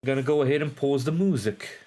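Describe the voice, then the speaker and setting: A man's voice: medium pitch, fast talker, warm tone. A man doing casual live gameplay commentary, rambling, repeating himself and swearing offhand. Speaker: game livestreamer.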